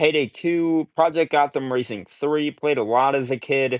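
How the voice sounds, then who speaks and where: A man with a fairly high pitch, at a moderate pace, in a normal speaking voice. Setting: live stream.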